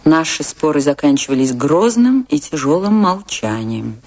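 A woman's voice: low voice, moderate pace. An actress playing a passionate woman dancer recounting a stormy love affair in a confessional, theatrical radio play manner. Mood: wistful, pained. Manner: theatrical, confessional, emotionally expressive. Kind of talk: dramatic radio play monologue and dialogue.

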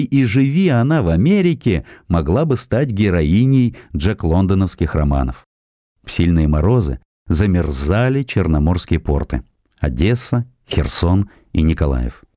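A man reading a scripted historical narrative as an audiobook narrator, in an expressive, measured storytelling manner. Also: sits low, no room sound.

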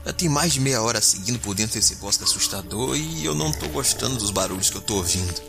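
A man's voice: fairly low pitch, lively intonation, quick pace, gravelly, loud music behind the voice. A man playing a nervous, skeptical space explorer captain in an audio drama, grumbling and stammering when alarmed. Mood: wary, grumbling.

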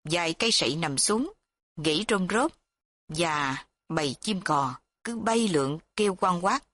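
A woman's voice: fairly low pitch, lively intonation, measured pace, fairly bright tone, no echo. Woman reading a story aloud. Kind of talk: scripted story narration.

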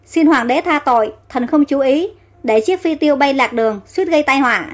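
A woman's voice: high-pitched, a little fast, close to an everyday voice. A woman voicing a flustered loyal servant. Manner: flustered, excited. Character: loyal fretful royal servant.

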